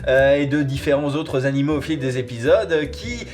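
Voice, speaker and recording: A man's voice: medium pitch, normal speed, over music. A man hosting a casual online review, chatty, with plenty of fillers and offhand swearing. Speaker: host reviewing audio dramas.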